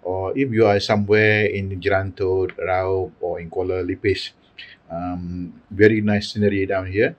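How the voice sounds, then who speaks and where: Low flat-voiced man. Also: dull audio. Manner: measured, hesitant with many fillers. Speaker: chef.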